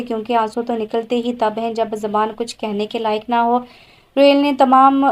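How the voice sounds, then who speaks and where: Woman narrating a romance novel. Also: fairly high pitch. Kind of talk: audio novel reading.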